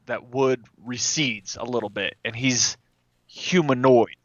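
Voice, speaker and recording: Bright-voiced man chatting as a player. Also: medium pitch, unhurried, no room sound, muffled recording. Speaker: tabletop game player. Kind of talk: casual chat, describing his character.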